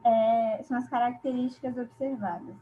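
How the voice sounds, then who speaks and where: A woman's voice: fairly high pitch, steady tone, moderate pace. Woman student reading answers, lo-fi. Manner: reads answers from notes. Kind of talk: answering in class. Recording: dull lo-fi sound.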